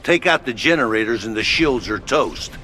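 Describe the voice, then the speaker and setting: A man's voice: medium pitch, expressive, normal speed, heavy background noise, natural voice. A man voicing a wry HQ officer. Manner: laid-back, wry and casual. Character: wisecracking male headquarters officer. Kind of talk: game cutscene voice acting. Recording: game audio with loud music behind. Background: music.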